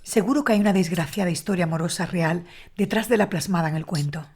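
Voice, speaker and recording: Woman acting as assured friend at dinner, audio drama, lowish voice, bit of noise and clinking. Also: quick pace, a little mellow, natural voice. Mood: convinced.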